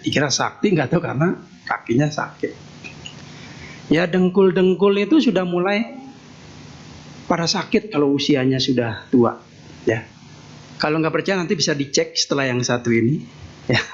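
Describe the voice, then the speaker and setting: A man giving a Buddhist temple sermon in a folksy, joking way, tagging nearly every phrase with a questioning "ya". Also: medium pitch. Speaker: Buddhist monk giving a Dharma talk. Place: temple hall. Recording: dull lo-fi sound with faint noise.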